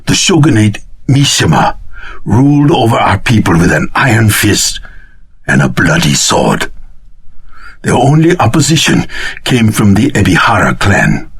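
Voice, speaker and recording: An actor playing an elderly, earnest and secretive nobleman in a video game, with a breathy, raspy voice and a formal, courteous, deliberate delivery. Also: fairly low pitch, full character voice. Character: frail elderly Japanese nobleman, earnest, secretive, solemn storyteller. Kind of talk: video game voice acting, dramatic exposition.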